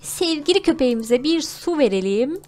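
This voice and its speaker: A woman's voice: high voice, expressive, moderate pace, darkish tone. A woman hosting a gaming video, narrating a role-play in an exclamatory, theatrical way. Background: background music.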